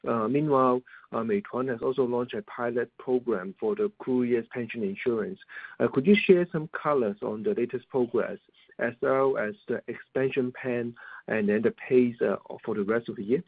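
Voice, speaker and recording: A man's voice: medium pitch, moderate pace, husky, no echo. A man speaking as a financial analyst, politely and somewhat hesitantly putting questions to management on an earnings call. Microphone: telephone call. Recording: thin phone line, dry.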